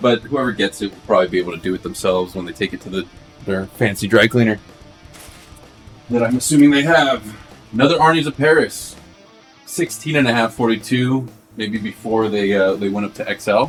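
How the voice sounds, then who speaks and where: A man talks at a fairly quick pace with lively intonation, medium pitch and long, frequent pauses, with music playing in the background. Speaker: men's clothing reseller. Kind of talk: casual talk to camera.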